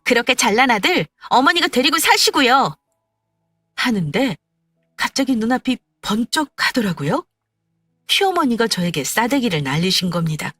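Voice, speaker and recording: A woman's voice: medium pitch, a bit bright, no room sound. A woman narrating her own story in the first person, in an indignant recounting manner.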